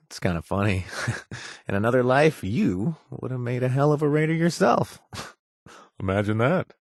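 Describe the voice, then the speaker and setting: An actor playing a gruff, washed-up ex-raider who now runs a bar, sardonic and joking one moment, earnest and grateful the next, in video game voice lines. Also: male voice, medium pitch, no echo, studio quality, full character voice. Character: gruff washed-up male ex-raider bartender, wry. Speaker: game companion character.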